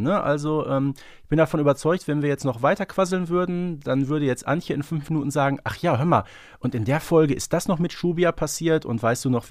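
A man's voice: on the high side, a little mellow, no room sound. Man co-hosting a podcast, dry close sound. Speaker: podcast co-host. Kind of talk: casual podcast discussion.

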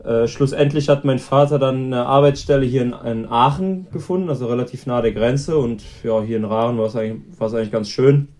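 Relaxed young man, mellow voice. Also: mid-range voice, a little fast, hardly any pauses. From Belgium. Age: 20s. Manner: relaxed, rambling with many fillers. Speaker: guest, pro cyclist. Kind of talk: casual interview answers.

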